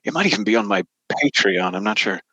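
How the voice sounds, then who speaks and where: A man with a slightly low voice and a bright, crisp edge, recorded dry and close. He talks as an interview guest in a chatty, reflective way, dropping in wry asides. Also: lively intonation, quick pace, no room sound, low-quality recording. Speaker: podcast guest, horror narrator and voice actor. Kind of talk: casual interview chat.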